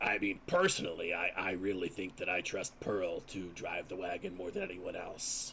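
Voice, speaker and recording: Using a raspy, put-on character voice, a man speaks at a moderate pace with hardly any pauses over clear background noise. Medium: actual play. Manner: dry, sardonic.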